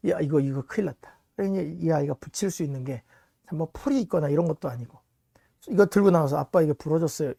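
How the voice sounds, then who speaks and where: A man's voice: a little high, dark tone, dry recording, studio quality. A middle-aged man, a pastor, preaching a sermon, telling a family story and speaking straight to his congregation. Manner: storytelling, addresses the congregation directly.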